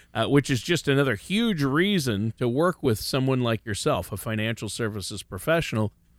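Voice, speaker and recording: On a very clean recording with a silent background and a dry, close sound with no echo, a man at medium pitch speaks at a fairly quick pace with lively intonation and hardly any pauses. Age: 50s. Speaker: radio co-host. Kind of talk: financial talk radio chat. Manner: frequent hesitations and repetitions.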